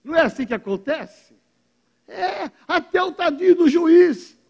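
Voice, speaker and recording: A male pastor with a very high voice delivers an emphatic sermon in church. He speaks slowly and deliberately into a microphone, stopping often to call for an amen from the congregation. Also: expressive, gravelly, highs cut off. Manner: emphatic preaching, calls for amens. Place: church service.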